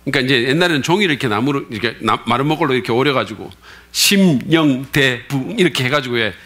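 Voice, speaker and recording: A man's voice: mid-range voice, expressive, racing, sharp tone. A male pastor preaching a Sunday sermon in a conversational way, often putting questions to the congregation.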